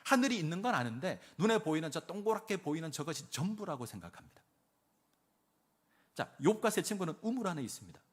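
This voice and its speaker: A man's voice: a little high, big pitch swings, fast, slightly rough. A man, a pastor, preaching a sermon and acting out quoted speech with rising emphasis.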